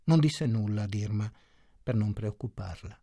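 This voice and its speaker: A man narrating a short story in a measured, ironic storytelling manner. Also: on the low side, dark tone, no room sound. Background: faint music.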